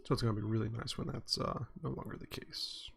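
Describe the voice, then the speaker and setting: Stuffy, gravelly-voiced man chatting casually. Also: on the low side, level tone, fairly quick, fairly bright tone, slight background noise. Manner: rambling, with many fillers and restarts. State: stuffy and sniffly. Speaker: host. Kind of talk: casual live-stream chat.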